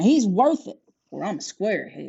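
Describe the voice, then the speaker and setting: A female-sounding voice at medium pitch puts on a character voice. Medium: read story. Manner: blunt, coarse.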